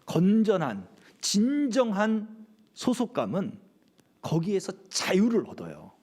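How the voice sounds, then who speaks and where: A man's voice: high voice, huge pitch swings, slow pace, darkish tone. A middle-aged male pastor preaching a sermon at a church service, often asking the congregation rhetorical questions.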